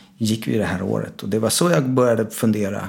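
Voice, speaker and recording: At a moderate pace, a man talks in a fairly low pitch. It is an unremarkable speaking voice. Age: 50s. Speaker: podcast co-host, life coach. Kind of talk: casual chat.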